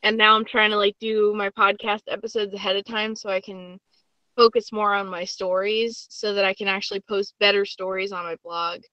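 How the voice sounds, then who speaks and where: A woman's voice: mid-range voice, level tone, moderate pace, bright, forceful tone, clean tone, no echo. A woman guest-hosting a podcast, chatting casually and self-deprecatingly, on a slightly lo-fi recording. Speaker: guest host, writer and podcaster. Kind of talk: casual chat.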